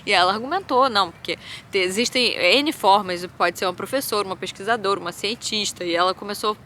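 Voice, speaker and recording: A woman in her thirties, a doctor, venting candidly in a vlog monologue, animated and full of fillers. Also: mid-range voice, quick pace, a little hiss or hum. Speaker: vlogger and hospital doctor.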